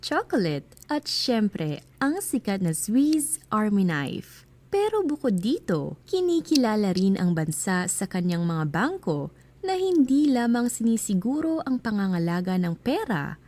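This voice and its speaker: A woman's voice: mid-range voice, dark tone. A woman with a Filipino accent reading scripted explainer narration as a voice-over, in a conversational way that poses questions to the listener.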